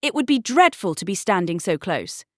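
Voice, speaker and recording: An actress playing a spirited, opinionated young gentlewoman, emphatic and articulate, in an audiobook period drama. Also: medium pitch, very animated, normal speed, no room sound, clean studio sound, close to an everyday voice. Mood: emphatic objection. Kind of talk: audiobook full-cast period drama acting.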